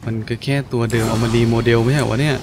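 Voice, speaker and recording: A man's voice: mid-range voice, fairly even intonation, very fast, noisy background. A man giving casual, playful let's-play commentary, full of exclamations and his own vocal sound effects. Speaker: gaming video host.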